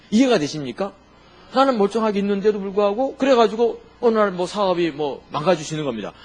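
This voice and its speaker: A male pastor delivers a sermon in a husky voice that sits a little high. His delivery is animated, with wide swings in pitch and sudden turns from loud emphasis to near-murmured asides. He keeps asking the congregation rhetorical questions. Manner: asks the congregation rhetorical questions, jokes and laughs.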